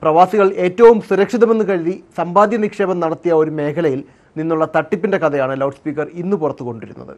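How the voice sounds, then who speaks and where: A man's voice: on the high side, fast, darkish tone. A man reading a scripted investigative news narration as the programme's presenter.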